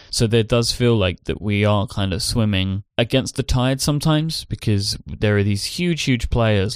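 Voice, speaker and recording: Recorded very cleanly with a silent background, a man's fairly low voice sounds dry and close with no echo. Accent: British. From Britain. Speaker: podcaster and network owner. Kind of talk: casual chat.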